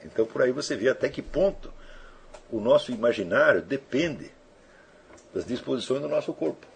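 A man's voice: mid-range voice, lively intonation, moderate pace, creaky, slight background noise. A man giving an informal spoken lecture, answering listener questions and tagging his sentences with checking questions.

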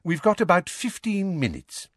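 A man voicing a calm, courteous, reassuring wizard who explains things in a measured way, for an audiobook. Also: high-pitched, husky, dry recording, studio quality, voice pushed up, exaggerated voice.

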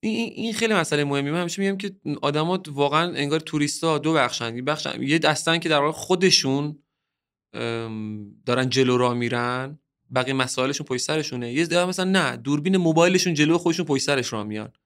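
A man's voice: on the high side, fairly bright tone, clean tone. A man from Bushehr in southern Iran, a musician guest on a podcast, talking casually in an earnest, opinionated way that turns heated at times.

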